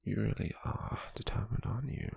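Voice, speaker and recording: Deep, gravelly British captor played by a man. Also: fairly even intonation, a little mellow, dry recording, heavily acted. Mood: cold, amused. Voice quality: breathy, gravelly, half-whispered. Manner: slow, measured, formal, condescending. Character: cold, possessive male slave merchant, controlling yet intrigued captor. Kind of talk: ASMR roleplay. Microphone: close microphone, dry.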